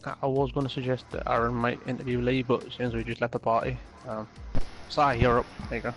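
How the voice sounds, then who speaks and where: A man's voice: medium pitch, flat delivery, fast talker. A man with a mid-range voice hosts an online racing podium segment. He talks casually over voice chat, with faint music running underneath. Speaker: host of online racing league podium interviews. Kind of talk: casual post-race interview chat. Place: voice chat from separate remote locations.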